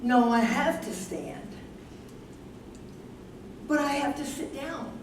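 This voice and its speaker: A woman's voice: high voice, animated, slow pace. A woman playing an aging, wistful wife who is losing her memory, in a staged reading. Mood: distressed, confused. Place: live staged reading in an echoey room. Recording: roomy, distant stage recording with noise.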